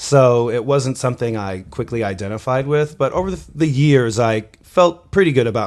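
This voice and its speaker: Lively in intonation, a man speaks at a fairly quick pace with hardly any pauses. He has an unremarkable speaking voice. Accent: American. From Minnesota (Saint Paul). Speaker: model, TV show pit crew member. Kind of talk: casual podcast chat.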